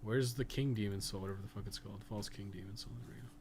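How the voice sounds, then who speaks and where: A man's voice: lowish voice, steady tone, very fast, noisy background. A man giving casual, rambling livestream commentary while he plays a game, blunt and slangy with some swearing. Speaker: game livestreamer and podcast co-host.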